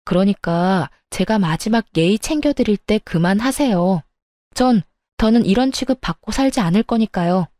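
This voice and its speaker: A woman's voice: medium pitch, lively intonation, normal speed, no room sound, clean studio sound, natural voice. A woman playing a fed-up young wife who talks back sharply to her in-laws, in a story radio drama. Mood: defiant. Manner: sharp, retorting.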